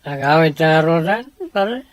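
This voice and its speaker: A man's voice: a little high, animated, measured pace, no room sound. An actor playing a lovesick, stubborn young man in a radio drama, emotional and insistent. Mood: tipsy, insistent.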